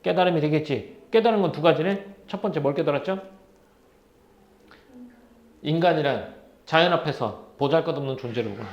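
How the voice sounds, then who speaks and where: Speaking briskly with frequent pauses, a man with a voice on the high side delivers a literature lecture. He peppers his students with questions that he then answers himself. The room sounds spacious and the audio a bit dull.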